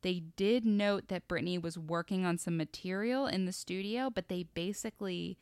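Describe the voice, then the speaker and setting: A woman co-hosting a podcast, explaining the background in a measured, casual way. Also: lowish voice, darkish tone, smooth, dry recording. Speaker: podcast co-host. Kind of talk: casual chat, recounting research.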